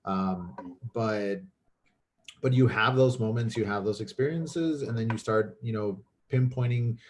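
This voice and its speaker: Low-voiced man, Spanish native speaker. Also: a little slow, slight background noise. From Mexico. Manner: thoughtful, with frequent restarts and fillers. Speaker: filmmaker guest. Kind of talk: casual chat.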